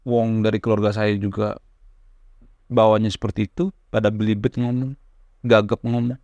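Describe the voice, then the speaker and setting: A man's voice: on the low side, flat delivery, moderate pace, darkish tone, dry recording, dull audio. A man talking casually to camera as a YouTube host, stammering now and then and restarting his words. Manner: stammers at times, restarts words, conversational fillers. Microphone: camera mic, close.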